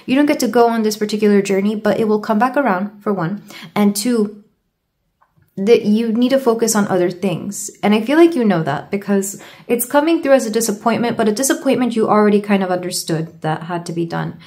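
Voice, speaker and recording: A woman's voice: medium pitch, brisk, darkish tone. A woman giving a tarot card reading to her viewers, stumbling over her words and sounding congested from a sore throat. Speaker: tarot reader.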